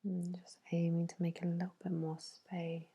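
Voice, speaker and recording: A woman whispering a soothing, unhurried ASMR massage narration in a hushed, breathy bedtime voice. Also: fairly low pitch, flat delivery. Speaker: facial massage therapist.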